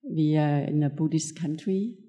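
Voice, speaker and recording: A Thai woman with a Thai accent, a Buddhist nun, gives an unscripted spiritual talk in short, gentle, simply worded phrases. Her voice is low-pitched and her speed is normal, though the audio sounds dull.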